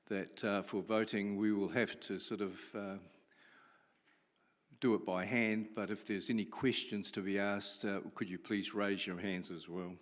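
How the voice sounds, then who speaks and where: New Zealand man chairing a council meeting. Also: fairly low pitch. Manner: procedural, halting with fillers. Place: large council chamber. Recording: long reverb of a council chamber.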